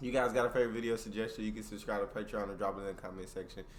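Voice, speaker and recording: Talking at a very fast pace, a man with an American accent shows vocal fry. Room echo can be heard. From United States. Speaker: YouTube reaction creator. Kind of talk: casual reaction commentary. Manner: casual, conversational.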